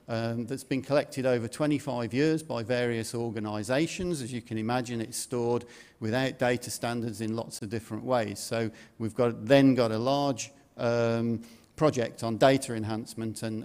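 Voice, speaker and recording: A man's voice: mid-range voice, fairly even intonation, normal speed, a little mellow. A man finishing a conference presentation, repeating words and restarting phrases as he speaks. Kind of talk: presentation wrap-up. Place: conference hall.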